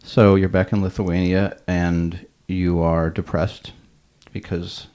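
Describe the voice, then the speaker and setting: A man hosting a podcast, easygoing and wry, often answering with quick "right"s. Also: deep voice, level tone, dark tone, clear, resonant tone. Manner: easygoing, many "right" backchannels, wry joking. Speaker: podcast host. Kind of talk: casual interview chat. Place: Columbus, Ohio.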